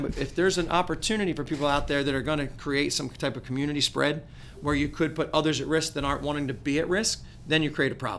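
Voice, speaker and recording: At a very fast pace, a man talks at fairly high pitch with fairly even intonation. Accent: American. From Pennsylvania, rural. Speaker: state representative candidate. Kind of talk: interview.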